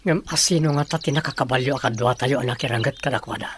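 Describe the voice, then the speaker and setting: A man's voice: mid-range voice, fast, fairly bright tone, a little hiss or hum, lightly acted. A man playing an earnest tribal son bent on revenge in an Ilocano drama film. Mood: troubled, questioning.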